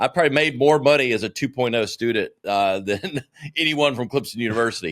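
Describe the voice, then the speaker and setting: A man with a Southern US accent and lively intonation, on a very clean recording with a silent background. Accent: Southern accent, still present. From South Carolina, Greenville area. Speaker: podcast host and marketing entrepreneur. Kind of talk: casual interview chat.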